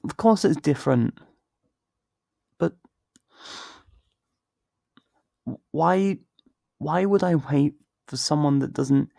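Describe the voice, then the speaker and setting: A man playing a torn, tender best friend in an intimate ASMR roleplay, speaking in a halting, emotional, pleading way. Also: mid-range voice, vocal fry, a little mellow, dry recording, studio quality. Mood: hurt, defensive. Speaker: audio roleplay voice actor.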